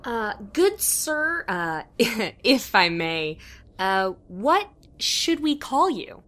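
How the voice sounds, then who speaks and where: Woman as eager believer, measured pace, lively delivery. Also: on the high side, exaggerated voice. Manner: earnest and excitable, playing along politely. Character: eager young woman who believes in ghosts. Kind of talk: audio drama acting.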